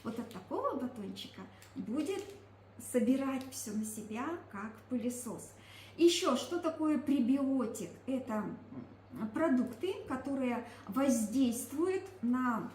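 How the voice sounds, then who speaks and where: A woman giving a product presentation, explaining emphatically and often asking questions that she answers herself. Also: high voice. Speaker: presenter promoting a nutrition product. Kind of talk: product presentation talk to a group. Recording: echoey room with faint background noise.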